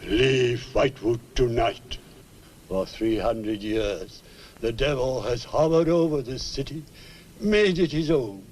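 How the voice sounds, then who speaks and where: A man's voice: medium pitch, slow pace, a little mellow, natural voice. An actor playing a grave, embittered older male reverend in a 1960s horror film, declaiming solemnly. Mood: ominous, despairing. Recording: noisy old film soundtrack.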